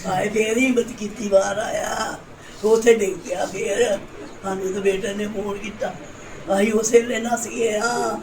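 An older woman with a Punjabi accent, crying and lamenting in a dramatic, loud wail as a grieving relative. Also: mid-range voice, fairly even intonation, normal speed. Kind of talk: distraught lament. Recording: echoey, distant, noisy crowd around.

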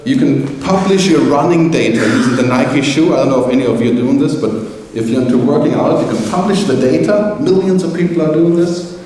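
Middle-aged man, keynote speaker, wry asides, heard from far off in a very echoey hall. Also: on the high side. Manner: animated, gesturing, joking asides. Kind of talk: conference keynote. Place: large conference hall. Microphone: headset mic.

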